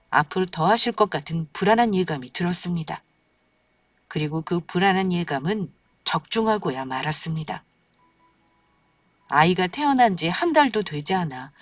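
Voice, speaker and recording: A woman narrates a scripted first-person story with lively, varied intonation at a medium pitch. The sound is dry, with the microphone slightly distant. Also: dry recording.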